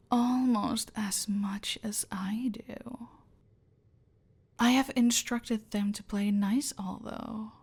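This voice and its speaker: A woman voicing a cold, controlling female cartel boss in an ASMR roleplay, giving slow, deliberate orders, often in a whisper. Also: medium pitch, vocal fry, darkish tone, breathy edge, heavily acted. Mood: silky, menacing.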